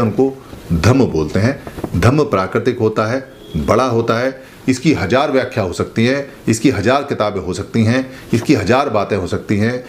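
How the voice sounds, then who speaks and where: A man giving a spoken Buddhist teaching, explaining slowly and repeating phrases for emphasis. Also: medium pitch, a little mellow, slight background noise. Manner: slow, repetitive, explanatory preaching. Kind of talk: spoken dharma talk.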